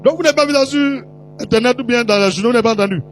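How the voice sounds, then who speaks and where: A high-pitched male preacher holds forth in an animated, teasing storytelling sermon. He breaks into put-on voices and sudden shouts. Soft music plays faintly behind him. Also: very fast.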